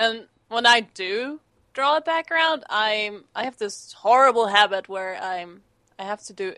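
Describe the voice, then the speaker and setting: A woman with a Dutch accent speaks at a moderate pace in a bright, sharp tone, fairly high in pitch with ordinary variation, the sound dry and close with no echo. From Netherlands. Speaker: furry artist. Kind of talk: casual interview chat.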